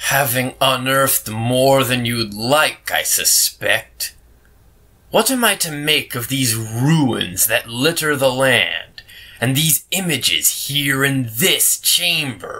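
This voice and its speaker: The man speaks very slowly. His put-on character voice stays at a medium pitch. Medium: read story. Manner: sardonic, cool, defiant.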